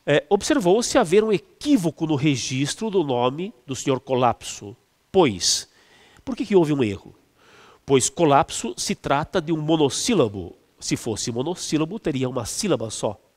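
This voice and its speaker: A male teacher walks students through exam questions in a lively, rising-and-falling voice. He fills pauses, restarts sentences, and drags out key words for emphasis. His voice rings with a long reverb, as if recorded in a large, hard room. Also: on the high side. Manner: explanatory, with frequent fillers and restarts; stretches words to stress them. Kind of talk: exam-prep lesson.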